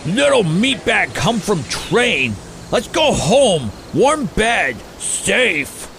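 Slow, gravelly simple-minded monster brute. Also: male voice, high-pitched, very animated, fairly bright tone, slight background noise, heavily acted. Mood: uneasy. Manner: broken caveman-like speech in short blunt phrases. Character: childlike hulking monster brute, grumpy, simple-minded, fearful. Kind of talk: audio drama acting.

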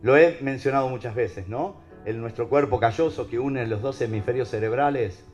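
A man's voice: medium pitch, normal speed, darkish tone, dull audio, faint music behind. A man with a Rioplatense accent giving a preaching talk as a Christian speaker, asking the audience rhetorical questions. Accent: Rioplatense Spanish.

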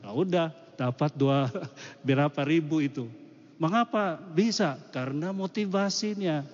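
A man's voice: a little high, moderate pace, darkish tone. A man preaching informally in a conversational sermon style, explaining with everyday examples. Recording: echoey hall, dull muffled sound.

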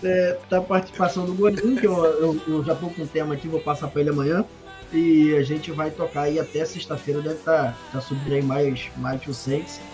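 Brazilian male panelist, high-pitched, blunt and grumbly in a joking way, casual banter over faint music. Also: steady tone, a little fast, a little mellow. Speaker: show regular, panelist. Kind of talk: casual live sports banter.

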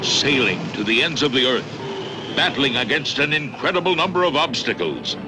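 A man's voice: medium pitch, expressive, moderate pace, heavy background noise. A man narrating a 1960s film trailer in a grandiose, emphatic, dramatic style. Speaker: movie trailer announcer.

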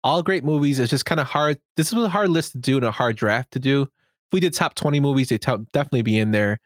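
A man co-hosting a podcast, reading out film credits and then chatting about movies in a relaxed way. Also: mid-range voice, quick pace, no room sound, clean studio sound. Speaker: podcast co-host. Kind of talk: casual movie chat.

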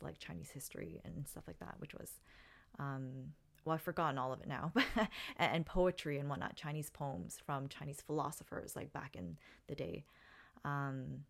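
A woman's voice: low voice, creaky. A woman in her thirties hosting a solo podcast, telling her own story in a reflective way, with many ums and restarts. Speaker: podcast host.

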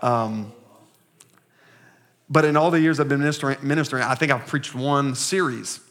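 Male pastor, 30s, mid pitch, deliberate sermon delivery with call-and-response. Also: a bit bright. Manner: slow, emphatic reading with congregation call-and-response.

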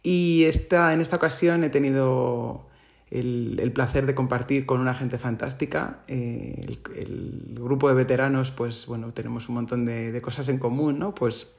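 A man from Spain with a Spain Spanish accent, speaking alone in a reflective, unscripted monologue. His voice sits at an ordinary middle pitch, and he talks thoughtfully, pausing to search for the right word. He sounds like a podcaster musing on his own experiences. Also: fairly even intonation, vocal fry.

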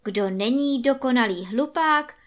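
A woman voicing a boastful adult gentleman in a children's storybook reading, talking emphatically. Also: on the high side, close to an everyday voice. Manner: emphatic, indignant.

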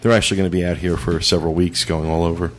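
A male podcast host with a very low voice, talking in an easygoing, chatty way. He restarts his sentences now and then as he reads out voicemails. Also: rapid-fire, a little hiss or hum. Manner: relaxed, chatty, stumbling restarts. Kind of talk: casual podcast chat.

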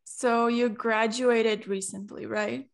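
A young woman in her twenties hosting her podcast, talking in a quick, chatty way and sounding tired. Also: fairly high pitch, fairly even intonation, vocal fry. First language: Portuguese. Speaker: podcast host. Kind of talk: casual podcast intro.

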